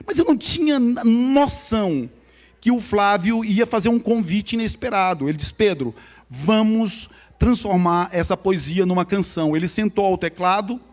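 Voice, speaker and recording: Invited to speak at a church, a high-voiced man from São Luís, Brazil, relates his own testimony in Maranhão Brazilian Portuguese. He talks to the audience directly, keeping the telling conversational.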